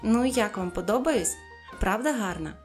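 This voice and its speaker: A woman's voice: medium pitch, lively intonation, moderate pace, faint music behind, lightly acted. Bold, cheerful storybook girl, grand exclamations; a woman reader voices her. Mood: playfully grand. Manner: showy, exclaiming, playfully grand. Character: bold cheerful little red-haired girl.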